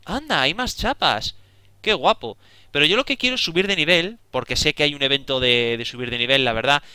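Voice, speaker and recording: A young man giving casual, excitable gameplay commentary, talking to himself and exclaiming often. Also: fairly high pitch, brisk, clean tone, dry recording. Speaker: gaming video creator.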